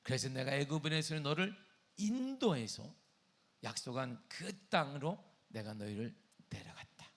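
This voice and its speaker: A male pastor preaching a sermon, reading scripture slowly and rising to impassioned pleading. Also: mid-range voice, sing-song.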